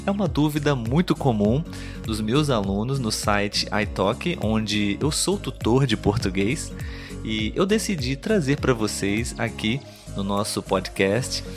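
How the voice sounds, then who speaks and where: Man teaching Portuguese slowly. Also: on the low side, expressive, music in the background. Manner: slow, clear teaching delivery with examples; friendly, checks in with learners. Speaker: Portuguese tutor and podcast host. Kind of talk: podcast lesson for language learners.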